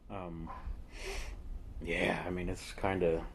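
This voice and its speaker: A young man with a fairly low voice hosts a relaxed chat, circling back through "um"s and restarted phrases as he feels his way to each question. Faint room ambience sits behind him. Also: slow pace, a little hiss or hum. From Long Island, New York. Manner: hesitant, lots of fillers and restarts. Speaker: podcast host. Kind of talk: casual chat.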